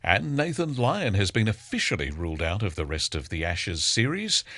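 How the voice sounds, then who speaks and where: A man's voice: on the low side, sing-song, moderate pace, pushed and bright, dry recording, studio quality. An Australian man reading a scripted radio news bulletin as the presenter. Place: close, dry radio studio.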